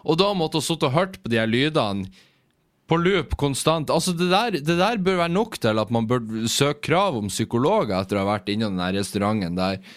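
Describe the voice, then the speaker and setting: A man's voice: mid-range voice, expressive, no echo, clean studio sound. A young man from Norway telling a self-mocking, exaggerated story in a rambling casual way.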